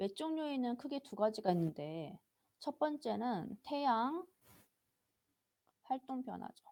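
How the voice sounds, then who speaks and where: A woman speaks very slowly in a high pitch, with a dark, mellow tone and very wide pitch swings. Long, frequent pauses break her speech, and the sound is dry and close with no echo. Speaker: high school science teacher. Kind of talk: lecture. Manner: trying to speak slowly.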